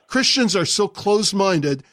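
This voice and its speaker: A man's voice: sits high, animated, unhurried, a bit bright, no echo. A man hosting a radio talk show, laughing easily and explaining his points at length. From California. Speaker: radio host.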